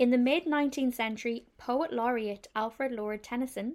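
Recorded very cleanly against a silent background, a woman speaks at a moderate pace with a fairly high pitch and ordinary pitch variation. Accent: Irish. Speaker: podcast co-host. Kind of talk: storytelling from notes. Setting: in person, at work.

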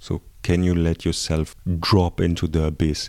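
In a very clean recording with a silent background, a man with a German accent speaks fairly slowly in a very deep, low voice with a dark, mellow tone and fairly even intonation. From Germany. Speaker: podcast host. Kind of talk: solo podcast talk. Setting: audio-only recording.

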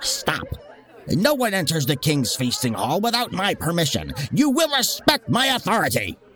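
A man uses a put-on character voice, high in pitch. He goes at a moderate pace. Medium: read story. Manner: pompous, menacing, greedy.

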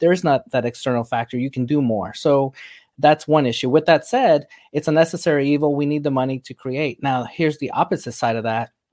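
A man with an American accent talks fairly quickly in a plain, everyday voice at a fairly high pitch. The recording is very clean, with a silent background and a dry, close sound with no echo. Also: ordinary pitch variation. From US, New York City. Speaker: physician and healthcare consultant. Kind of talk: interview.

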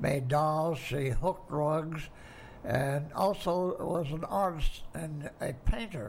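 A man's high-pitched voice at a very slow pace, with ordinary pitch variation and audible room echo. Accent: American. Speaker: son of a doll maker. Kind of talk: interview.

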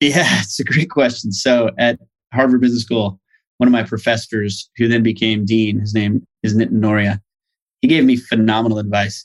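A plain, everyday voice with an American accent, fairly even intonation and a moderate pace. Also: man, medium pitch for a man. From US, Boise, Idaho. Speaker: tech company founder and CEO. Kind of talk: interview.

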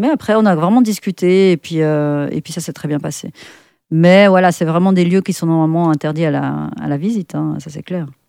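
A woman with a fairly low pitch, ordinary pitch variation, and a dark, mellow tone speaks in a dry, close sound with no echo against a quiet background. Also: moderate pace. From Switzerland, Vaud (Lake Geneva coast). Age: 50s. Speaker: urban explorer and photographer. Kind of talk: casual interview.

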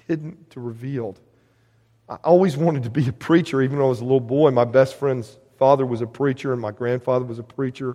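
Speaking at a very fast pace, a man with an American accent has a medium pitch, ordinary pitch variation and a dark, mellow tone. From US South. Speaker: guest preacher. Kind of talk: sermon. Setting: church.

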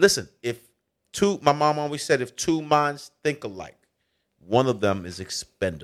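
A man's voice with very wide pitch swings and big swings in loudness, in a very clean recording with a silent background. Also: fairly high pitch for a man, moderate pace. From Philadelphia, then Ghana from age twelve. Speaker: rapper. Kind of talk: casual chat.

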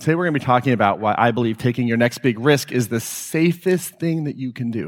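The pace is very fast. A man of medium pitch talks with ordinary pitch variation. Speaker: podcast host and life coach. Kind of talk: motivational talk to a live audience. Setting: stage with audience.

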